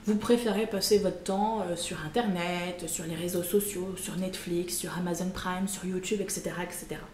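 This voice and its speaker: A woman's voice: fairly low pitch, fairly even intonation, normal speed, few pauses, darkish tone. Chatty woman in an echoey room. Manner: chatty, many fillers, self-mocking asides. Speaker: personal development YouTuber. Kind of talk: casual spoken explainer to camera. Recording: echoey room with faint ambient noise.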